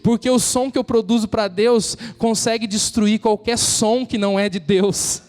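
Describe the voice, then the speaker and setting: A male preacher telling a personal story in a sermon, rising into loud, fervent exhortation. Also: high voice, steady tone, moderate pace, long reverb tail, soft background music.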